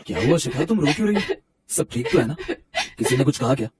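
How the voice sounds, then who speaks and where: A man playing an earnest young husband, husky. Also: mid-range voice, quick pace. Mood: concerned. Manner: earnest, expressive.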